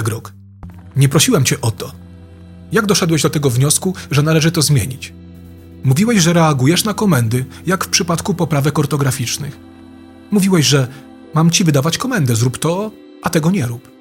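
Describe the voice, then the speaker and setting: A man with a slightly high voice asks an AI assistant pointed questions in casual speech. He presses insistently for answers, with faint music in the background. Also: expressive, normal speed. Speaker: user questioning an AI.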